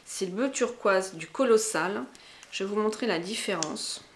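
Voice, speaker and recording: A woman's voice: medium pitch, normal speed, slight background noise. A woman with a Berrichon accent chats through a makeup haul, talking to her viewers directly. She is talkative and enthusiastic and uses a lot of slang, at a voice height typical for a woman. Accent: Berrichon French. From Berry, France. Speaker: beauty vlogger.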